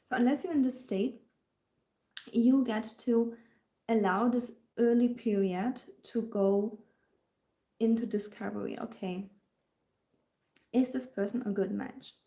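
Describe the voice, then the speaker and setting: A woman's voice: on the high side, takes it slowly, pauses often, dark tone, reverberant, low-quality recording. A woman with a German accent, a dating coach talking casually to viewers on a live stream, often dropping into a whisper and answering comments as she goes. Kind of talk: livestream talk to viewers.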